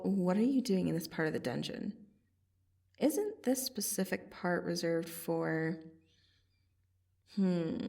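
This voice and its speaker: A woman playing a cocky, teasing vampire assassin in an ASMR roleplay, casually menacing, with a sardonic delivery and long pauses. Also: fairly low pitch, darkish tone, distant mic. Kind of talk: ASMR roleplay monologue to the listener.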